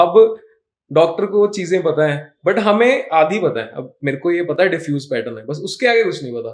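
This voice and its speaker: A man speaks with a slight Punjabi accent. His pitch variation is ordinary. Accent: Punjabi touch in Hindi. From Punjab, India (Patiala). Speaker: hair transplant patient, comedy video creator. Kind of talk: casual interview testimony.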